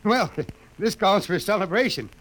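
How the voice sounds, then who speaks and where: A man's voice: high voice, lively intonation, a little slow, fairly bright tone, rough recording. An actor playing a jovial, folksy old father, proud of his Navy family, in a 1950s radio drama. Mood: jovial, fond. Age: older. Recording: old radio broadcast, faint noise.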